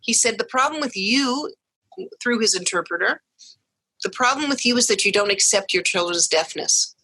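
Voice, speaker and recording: A woman speaking English as her first language, telling her family's story in a lively way as a guest on a podcast interview. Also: a little high, normal speed, breathy edge, dry recording, low-quality recording. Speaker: guest, mother of deaf twins.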